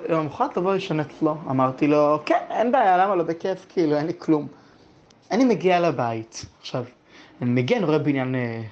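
Young man, 20s, quick lively anecdote, chuckling, slightly muffled lo-fi recording. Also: fairly high pitch. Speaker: guest storyteller. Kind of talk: casual personal anecdote.

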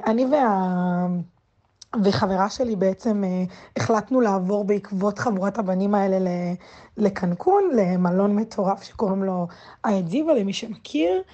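Mellow young woman telling a story. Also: mid-range voice. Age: 20s. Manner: unhurried, with frequent hesitant fillers. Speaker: guest storyteller. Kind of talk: casual personal anecdote. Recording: slightly dull lo-fi recording.

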